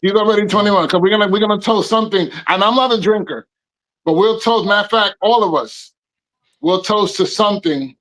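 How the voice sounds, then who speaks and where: A man in his fifties with a noticeably high-pitched voice, talking in an effusive, animated way. He repeats short phrases for emphasis and mixes in a New lilt. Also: a little fast, low-quality recording. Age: 50s. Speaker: podcast guest DJ. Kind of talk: casual podcast chat.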